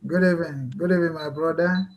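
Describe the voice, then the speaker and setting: Earnest Igbo-accented man hosting, high voice. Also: steady tone, fast talker, muffled recording. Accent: Nigerian Igbo. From Nigeria, Igbo land. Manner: rambling and earnest, many fillers and restarts. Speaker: host. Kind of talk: online talk show hosting.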